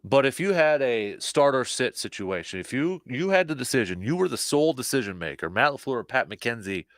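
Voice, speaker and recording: A man hosting a casual sports talk show, a little hoarse, animated, often repeating and restarting his words. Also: medium pitch, fairly quick, dry recording. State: slightly hoarse, losing his voice.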